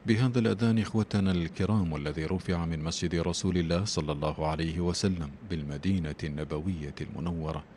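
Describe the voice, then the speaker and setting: A man presenting a prayer broadcast, announcing the call to prayer and then reciting a long supplication in a measured, rhythmic cadence. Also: deep voice, fairly even intonation, darkish tone, slight background noise.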